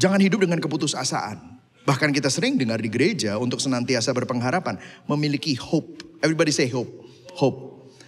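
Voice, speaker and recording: The speech moves at a very fast pace with lively intonation. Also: man, fairly high pitch for a man. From Indonesia, Surabaya (East Java). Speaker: pastor. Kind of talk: sermon. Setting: church.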